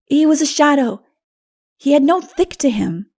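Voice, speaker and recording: A woman voicing an earnest, innocent, frightened little boy in a dramatic storybook reading, with halting, childlike delivery. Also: high-pitched, expressive, a little mellow, voice pushed up. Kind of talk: dramatic audiobook character reading.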